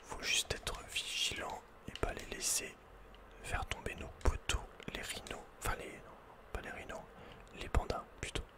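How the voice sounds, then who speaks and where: A man speaks entirely in a soft, breathy whisper. He hosts an ASMR gaming session, murmuring casual running reactions and slangy asides as he plays. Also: moderate pace. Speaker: ASMR gaming video host. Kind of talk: whispered ASMR game commentary.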